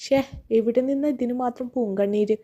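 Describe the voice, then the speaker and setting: A woman's voice: on the high side, a little fast, dark tone, highs cut off, close to an everyday voice. A woman reading the lines of an angry, scornful young man in an audiobook, snapping bitter reproaches. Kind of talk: audiobook character voice.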